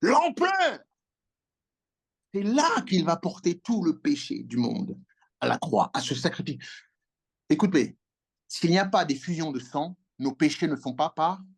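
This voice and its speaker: A fiery preacher whose pitch swoops up and down in lively, emphatic bursts. The sermon runs over a video call with call-and-response prompts for amens. The delivery is urgent and animated throughout. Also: moderate pace, husky.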